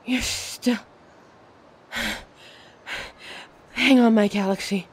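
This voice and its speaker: A woman's voice: on the high side, fairly even intonation, normal speed, husky. A woman playing an anxious, sarcastic werewolf nearing thirty in an audio drama. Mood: desperate pleading.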